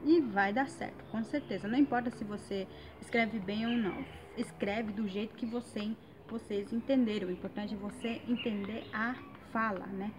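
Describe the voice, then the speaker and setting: With background noise behind her, a Guarani-accented woman, Guarani being her native tongue, runs an informal online lesson. She repeats every phrase slowly with frequent hesitations, in a steady, mid-range voice.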